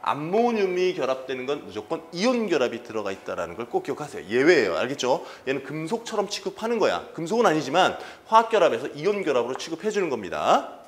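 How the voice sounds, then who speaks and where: A male chemistry instructor giving an exam-prep lecture, constantly throwing quick rhetorical questions at his students and answering them himself. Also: fairly high pitch, sing-song.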